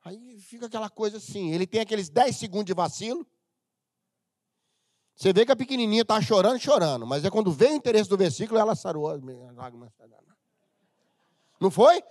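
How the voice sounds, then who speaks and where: A middle-aged Brazilian man preaching a humorous, animated sermon as pastor of a church, sometimes breaking into shouts. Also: high voice, brisk, pauses often, dry recording, studio quality. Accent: Brazilian Portuguese.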